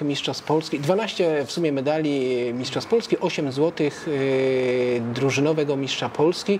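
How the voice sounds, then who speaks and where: A man with a Polish accent and ordinary pitch variation, over light background noise. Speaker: sports interviewer. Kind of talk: casual chat. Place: studio.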